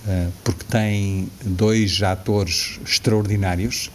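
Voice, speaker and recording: A man's voice: on the low side, fairly even intonation, takes it slowly, slight background noise. A man in his sixties with a European Portuguese accent, talking reflectively as an interview guest, often restarting his sentences. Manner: reflective, frequent restarts and soft laughs. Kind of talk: casual interview conversation.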